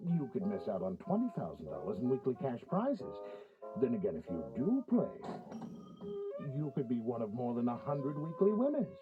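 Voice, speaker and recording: Very animated male ad announcer, muffled. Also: mid-range voice. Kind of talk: playful radio commercial voice-over. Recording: muffled, band-limited old tape. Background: music bed.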